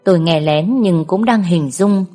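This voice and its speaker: Woman narrator, first-person story, steady even reading, lowish voice, soft background music. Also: unhurried.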